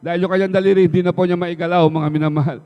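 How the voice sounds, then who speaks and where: Speaking rapid-fire in a high, clear, resonant voice with fairly even intonation, a Filipino-accented man testifies at a church service, tacking "mga minamahal" onto nearly each phrase. He's a church member in a church hall, heard through a dull, echo-laden live stream.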